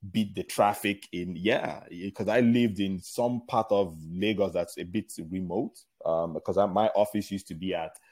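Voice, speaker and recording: This is a middle-aged man from Nigeria with a Nigerian accent and a very deep voice. He speaks as an interview guest, rambling through his thoughts with plenty of fillers and restarts. When he tells stories he grows more animated. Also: moderate pace, hardly any pauses. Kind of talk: casual interview chat.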